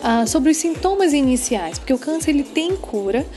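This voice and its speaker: A woman's voice: sits high, big pitch swings, moderate pace, dark tone. Woman, middle-aged, Brazilian Portuguese accent, earnest, informative, handheld mic, faint music. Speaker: charity representative. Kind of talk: interview answer. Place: indoor bazaar stand. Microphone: handheld microphone.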